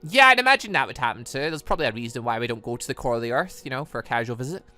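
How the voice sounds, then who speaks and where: Animated, bright-voiced gaming commentator. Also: medium pitch, very fast, soft background music. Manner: animated, chatty, reacts with exclamations. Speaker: gaming channel host reading a visual novel aloud. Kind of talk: let's play commentary with voiced dialogue reading.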